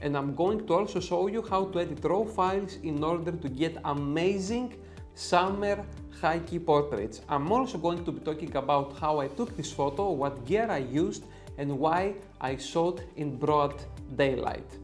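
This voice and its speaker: Faint music plays behind a Greek-accented man in his thirties as he teaches a photo editing tutorial at normal speed, his voice a little high. He's upbeat and talkative, tossing in casual asides and jokes at his own expense from a small home studio bathed in red light.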